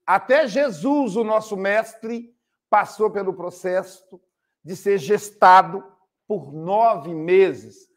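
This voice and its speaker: An older man with a Brazilian Portuguese accent gives a spiritist talk, speaking slowly in a high voice. He tells stories and acts out the people in them with quoted voices.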